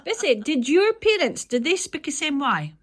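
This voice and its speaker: A woman's voice: high-pitched, very animated, moderate pace. A woman from north-east Scotland with a Doric accent, interviewing informally in a chatty, encouraging way, often repeating and affirming. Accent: north-east Scottish Doric.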